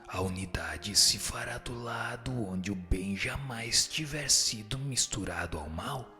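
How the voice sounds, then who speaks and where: A man playing a wise, solemn spirit teacher in a radio drama, speaking in a measured, instructive way. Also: lowish voice, pushed and bright. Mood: solemn teaching. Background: music behind the voice.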